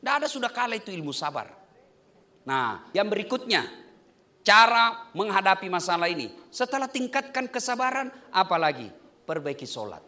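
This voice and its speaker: A man preaching a humorous sermon on marriage. His voice sits high and swoops widely as he jokes with the congregation. The tone is bright and sharp. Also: moderate pace. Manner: joking, lively delivery with playful asides to the congregation.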